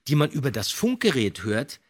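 A man with a husky, slightly rough voice co-hosts a podcast. His pitch swings widely as he tells the story, leaning on key words to build suspense. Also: sing-song, fairly quick. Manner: dramatic emphasis, builds suspense. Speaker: podcast co-host. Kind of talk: animated storytelling, podcast talk.

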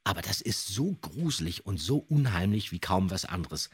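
A man with a husky, slightly rough voice co-hosts a podcast. His pitch swings widely as he tells the story, leaning on key words to build suspense. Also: sing-song, moderate pace. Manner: dramatic emphasis, builds suspense. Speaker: podcast co-host. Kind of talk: animated storytelling, podcast talk.

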